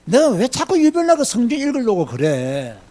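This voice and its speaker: A man voicing a sly male devil who whispers temptations in a low, coaxing, taunting tone. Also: wildly swooping pitch, normal speed, mellow, exaggerated voice.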